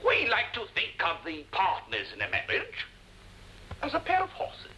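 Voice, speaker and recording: A pompous, self-satisfied husband in a 1950s TV drama, rolling out his words in an orotund, speechifying way. His voice is high and bright, swooping wildly up and down as he orates. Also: wildly swooping pitch, normal speed, a little hiss or hum, full character voice, low-quality recording. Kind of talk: 1950s television drama acting.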